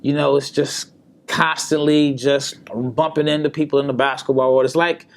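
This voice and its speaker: A man hosting a solo basketball podcast, his voice a little hoarse from a sore throat, talking casually and restarting his words often. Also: a little high, steady tone, moderate pace. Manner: conversational, repeats words and restarts. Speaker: podcast host and basketball scout. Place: hotel room or indoor spot in Las Vegas.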